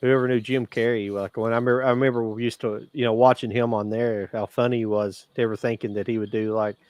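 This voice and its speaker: A man's voice: mid-range voice, little pitch movement, quick pace, a little mellow, no echo. A man in his forties chatting casually about movies on a podcast, rambling and restarting his sentences. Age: 40s. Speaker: podcast co-host.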